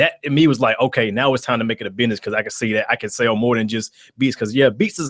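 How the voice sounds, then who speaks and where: A man with a Southern accent, medium pitch, ordinary pitch variation and a very fast pace, on a very clean recording with a silent background. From US South, small town in South Carolina. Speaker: music producer. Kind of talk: interview. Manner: halting, many fillers.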